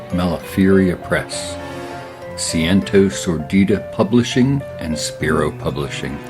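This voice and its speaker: Low-voiced man reading a sponsor spot. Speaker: sponsor announcer. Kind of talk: scripted advertisement read. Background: music bed.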